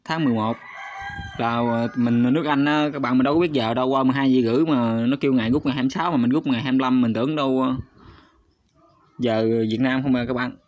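A YouTube host talks quickly through a casual screen recording, his middle-pitched voice fairly even and a little mellow. Hesitant but chatty, he pauses on fillers and addresses viewers again and again, recorded with slightly dull, lo-fi audio.

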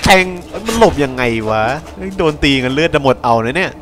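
Joking, lively young Thai gamer man. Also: on the high side, a little fast, over music. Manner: crude, joking, talks to the game. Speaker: gameplay commentator. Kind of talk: casual horror game commentary.

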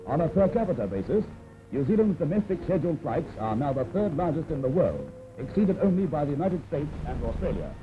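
A man's voice: fairly high pitch, sing-song, fairly quick. A man giving formal, announcing narration for an old newsreel, heard from its original soundtrack. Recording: tinny old newsreel audio with music.

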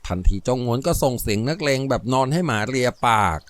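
A man narrating a novel as an audiobook, in an expressive storytelling manner. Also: mid-range voice, fast talker, dry recording.

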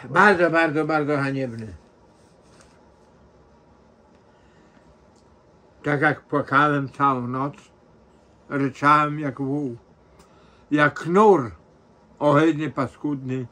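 An older man cries as he talks, his voice rising into a high, wavering wail. His words come slowly and drag out. He laments to the camera. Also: pushed and bright. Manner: wailing, tearful, drawn-out lament. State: crying. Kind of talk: emotional address to viewers.

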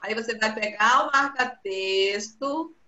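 A woman's voice: on the high side, takes it slowly, bright, forceful tone, a little hiss or hum. A woman with a Brazilian Portuguese accent teaching young children in an online class, patiently coaxing and stretching out words. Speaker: primary school teacher. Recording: echoey room, dull video-call audio.

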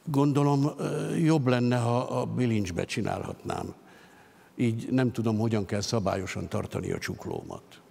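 A man voicing a nervous male prisoner who answers in halting, stammering replies. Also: mid-range voice, sing-song, gravelly, mellow, slightly rough, full character voice. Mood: hesitant. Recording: long hall reverb.

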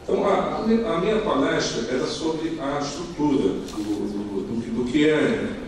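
His voice runs a little high and expressive as this middle-aged Brazilian-accented speaker presents a formal, partly improvised talk from a conference hall lectern. He often pauses and repeats himself while looking for wording. Sound is captured from afar in an echoey room, with faint noise underneath.

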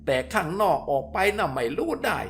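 Man voicing a grumbling old tracker, high and slow, rustic, from an audio storybook. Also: sing-song, a bit bright.

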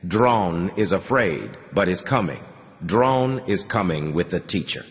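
A man putting on a fearful, simple tribesman who names himself instead of saying I, his voice a little low and soft. It sits in a long-reverb space. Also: lively intonation. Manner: speaks of himself in third person, simple halting phrasing.

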